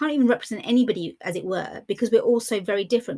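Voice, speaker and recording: Here is a woman with a London accent. Her voice is fairly high-pitched, with lively intonation. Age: 30s. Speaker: journalist and author. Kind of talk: podcast interview.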